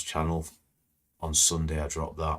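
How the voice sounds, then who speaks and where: Here a man is speaking at a moderate pace. He has a British accent. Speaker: stock trading educator. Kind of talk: live screen-share tutorial. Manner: casual, halting with repetitions.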